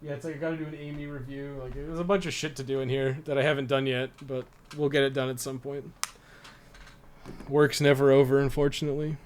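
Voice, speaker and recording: A man's voice: medium pitch, level tone, a little fast. A man chatting casually to his viewers as a game streamer, informal and freely swearing. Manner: informal, foul-mouthed. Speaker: video game live streamer. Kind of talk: casual livestream chat with viewers.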